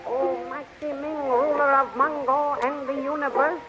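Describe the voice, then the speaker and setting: An actor playing a solemn alien high priest in a 1930s radio serial, ceremonial and declamatory. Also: male voice, level tone, a little slow, loud music behind the voice. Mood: solemn ceremony. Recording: muffled 1930s radio recording.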